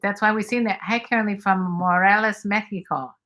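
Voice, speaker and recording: A woman's voice: mid-range voice, fairly even intonation, brisk, fairly bright tone. An older woman co-hosting a live stream, joking bawdily while she reads viewer comments. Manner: brash, bawdy and joking. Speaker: livestream co-host. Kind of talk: casual livestream chat reading comments.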